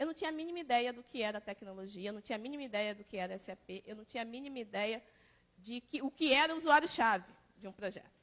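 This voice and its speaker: Speaking at a very fast pace, a woman uses lively intonation and a fairly high pitch, with big swings in loudness. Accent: Rio de Janeiro. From Rio de Janeiro, Brazil. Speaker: technology professional and speaker. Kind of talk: lecture. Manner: casual, animated storytelling.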